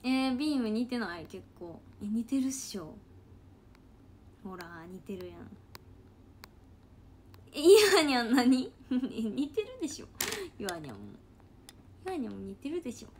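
A woman's voice: fairly high pitch, sing-song, moderate pace, long pauses, a little mellow, slight background noise. A woman with a Kansai accent chatting casually on a late-night livestream, reading comments in a loose, giggly, rambling way and sounding sleepy. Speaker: idol trainee livestreaming.

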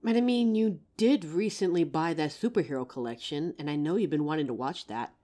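A woman voicing a gentle young female werewolf girlfriend in an audio roleplay, speaking tenderly and slowly through a grounding exercise. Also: sits low. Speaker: voice actor.

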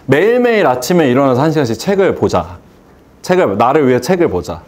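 A man's voice: medium pitch, sing-song, fast, darkish tone. A man giving a motivational speech to a seated audience, asking rhetorical questions and acting out phone calls. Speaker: hair salon owner giving a speech.

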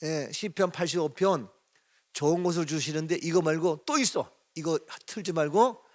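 A man's voice: on the high side, moderate pace, darkish tone. A middle-aged male pastor giving a casual early-morning sermon, chatty and teasing, sometimes rising to emphatic exclamations. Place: church sanctuary.

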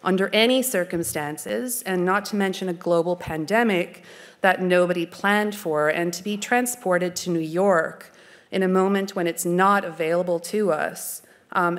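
A woman's voice: on the low side, fairly even intonation. Earnest Canadian woman lecturing on art. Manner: measured, articulate, earnest. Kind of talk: formal lecture. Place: dark stage, indoors.

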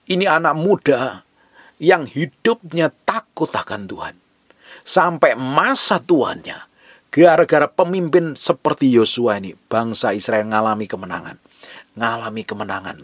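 A man's voice: medium pitch, no echo. A man preaching a sermon as a pastor, fervent and emphatic, mixing casual colloquial speech with scripture reading.

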